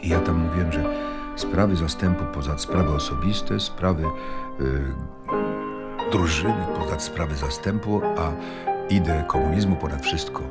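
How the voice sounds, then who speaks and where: An older man reminiscing conversationally in a wry, halting way. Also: a bass voice. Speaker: former scout giving recollections. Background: loud music.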